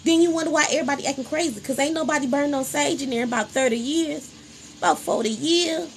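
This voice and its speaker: Lady on a phone livestream, preachy and repeats herself, pitch kinda high. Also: fast, slight background noise, rough recording. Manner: preachy, drawling, emphatic repetition. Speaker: spiritual livestream host. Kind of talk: casual spiritual livestream talk.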